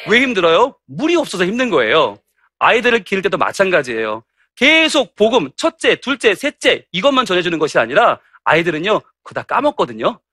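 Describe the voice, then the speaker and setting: A middle-aged male pastor giving a lively, humorous lecture to church teachers, acting out stories. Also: high-pitched, brisk, dry recording, clean studio sound. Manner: animated and humorous, acting out anecdotes.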